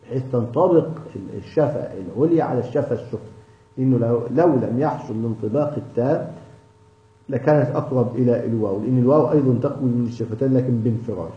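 A man teaching tajweed in a class session, answering a student with many halting restarts. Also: medium pitch. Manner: hesitant, with many restarts and drawn-out fillers. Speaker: Quran recitation teacher. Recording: echoey, dull lo-fi room recording.

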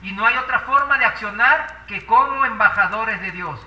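A man's voice: high voice, normal speed, pushed and bright, reverberant, far from the mic, poor audio. A man preaching a sermon with passion, asking the congregation rhetorical questions.

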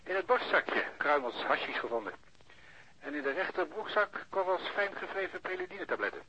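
An actor playing a chatty, eager forensic lab investigator in a radio crime drama, with hesitant interjections. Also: male voice, sits high, expressive, fairly quick, sharp tone. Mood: matter-of-fact. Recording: dull lo-fi radio recording, faint noise.

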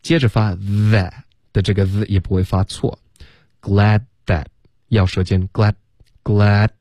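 A man teaching English pronunciation on the radio, patiently drilling sounds slowly and mixing English phrases into his Chinese explanations. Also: deep voice, level tone, warm tone, dry recording. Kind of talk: radio language lesson. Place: radio studio. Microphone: studio mic.

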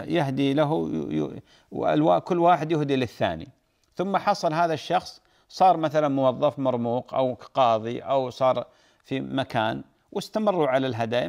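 Brief: brisk male sheikh, fast delivery, repeats rulings to drive them home. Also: mid-range voice, vocal fry, a little mellow. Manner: explanatory, repeats key points for emphasis. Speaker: sheikh answering listeners' religious questions. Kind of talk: religious Q&A answers.

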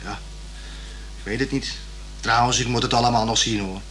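A man playing a plain-spoken, stubborn but good-natured young working-class man in a radio play, talking haltingly and colloquially. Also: medium pitch, fairly even intonation, a bit bright, a little hiss or hum, natural voice. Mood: sceptical. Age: young adult. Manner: halting, colloquial, repeating himself.

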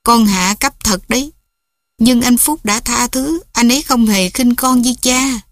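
A woman's voice: fairly high pitch, a little slow, no room sound, studio quality, voice pushed up. A woman voicing a fragile young woman who pleads with her family. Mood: distraught. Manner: pleading, tearful.

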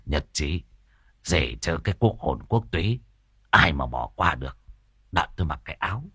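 A man's voice: rumbling low, lively intonation, moderate pace, sharp tone, slightly rough, no room sound, clean studio sound, voice pushed down, exaggerated voice. A man voicing a skinny, timid older man who stammers. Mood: eager. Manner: stammering, meek.

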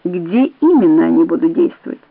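A woman reading an audiobook plays a male intelligence agent who questions coldly and curtly in her own steady voice. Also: lowish voice, a little fast, creaky, dry recording. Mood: cold interrogation. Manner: cold, curt and demanding. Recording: dry, tinny phone-like audio.

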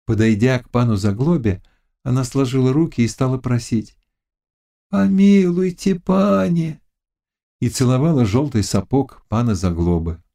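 A man narrating a classic novel as an audiobook, reading in an expressive, dramatic way. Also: mid-range voice, moderate pace.

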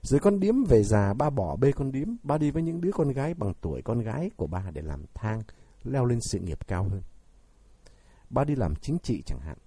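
A bitter, defiant young son from a storybook taunts his father with sarcastic questions, as a man reads him aloud. His husky voice swings widely in pitch and stays dark and close to the mic. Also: big pitch swings, moderate pace, dry recording. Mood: bitter mocking.

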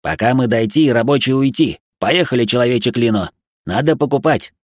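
A man's voice: medium pitch, lively intonation, brisk, no room sound, studio quality, voice pushed up, lightly acted. A man voicing a sarcastic servant robot. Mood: impatient. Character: snarky male servant robot, clipped broken speech. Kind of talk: audiobook character voice.

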